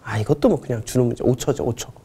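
This middle-aged man talks fast in a husky, mid-range voice while lecturing on history exam answers. Playful and excitable, he keeps joking and chatting with his students between questions.

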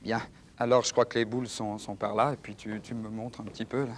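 A man's voice: lowish voice, little pitch movement, brisk. Stammering playful man in a comic sketch. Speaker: comedian in a sketch. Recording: 1960s TV recording, faint noise.

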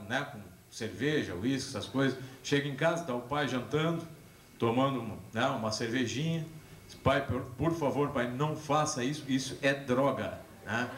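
A man gives a lively public talk to a young audience, holding a handheld microphone and acting out dialogue as he tells stories. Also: medium pitch, a little hiss or hum. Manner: animated storyteller, acts out dialogue, gestures. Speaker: public speaker on alcohol and drugs. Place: large hall with a seated audience. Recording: echoey hall, camcorder recording.

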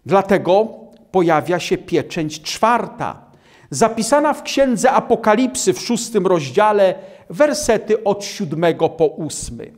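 A man preaching a sermon on scripture in a slow, emphatic way, with dramatic drops in his voice. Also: high voice, very animated, darkish tone.

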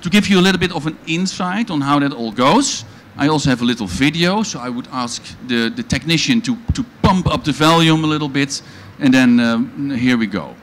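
A man's voice: medium pitch, expressive, brisk, a bit bright. Dutch guy presenting at a conference, lots of ums, handheld mic, bit of room noise. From Netherlands. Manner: loose and chatty, frequent ums and restarts. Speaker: organization founder presenting at a panel. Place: event pavilion stage with audience.

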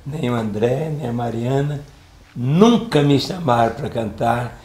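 A man's voice: medium pitch, a little slow, darkish tone. An older man in a documentary interview, complaining playfully.

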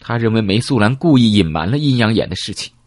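A man's voice: fairly low pitch, lively intonation, fast, a little mellow, no echo, clean studio sound. A man narrating a novel as an audiobook in a dramatic storytelling manner, dropping to a whisper for grim details.

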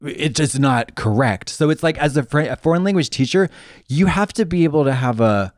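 Animated man in his thirties on a handheld mic, his pitch swinging around as he chats and slips into mimicked voices. the room sounds tight and dry, with nothing behind him. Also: a little fast, no room sound. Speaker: podcast co-host. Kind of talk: casual chat. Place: small decorated studio indoors.

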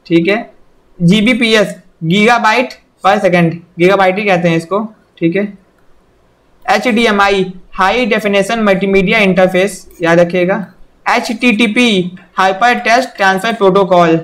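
A man's voice: high voice, measured pace, a bit bright. A young man teaching an exam-prep lesson, who keeps repeating "okay" and "remember this" in a direct, instructive way. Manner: repeats "theek hai" and "yaad rakhiyega" often, direct instructional.

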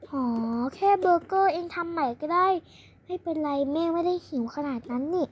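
A child voicing a gentle, doting mother of two girls, coaxing and scolding softly in a pretend play. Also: very high voice, fairly quick. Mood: soothing.

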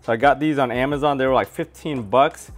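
A man in his thirties giving a relaxed, step-by-step how-to walkthrough of a tool project in his home garage. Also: medium pitch, brisk. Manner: relaxed, practical, explains step by step. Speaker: DIY garage tool reviewer. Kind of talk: casual how-to narration.

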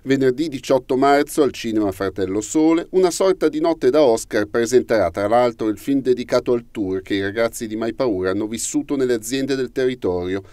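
Man reading a news feature, dark tone. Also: mid-range voice, no room sound. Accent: Italian. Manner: ornate, measured reading. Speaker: news narrator. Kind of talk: scripted news voice-over.

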